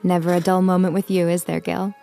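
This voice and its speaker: An actress playing a playful, confident young psychic tarot reader in an audio comedy, with an American accent and a teasing, dryly amused manner. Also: female voice, on the low side, flat delivery, fairly quick, vocal fry, mellow, soft background music. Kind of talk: audio drama comedy acting, conversational.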